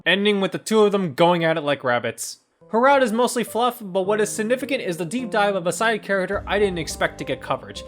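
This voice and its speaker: Guy with a pretty high voice doing scripted review voiceover, some music behind him. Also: a bit bright. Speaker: video game reviewer and host.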